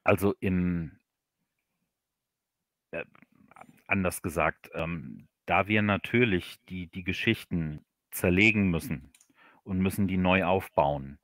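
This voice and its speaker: A man chatting as an interview guest on a livestream, explaining in a halting way and often repeating words. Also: low-pitched, a bit bright, dry recording. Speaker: guest audio drama writer. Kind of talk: casual interview chat on a livestream.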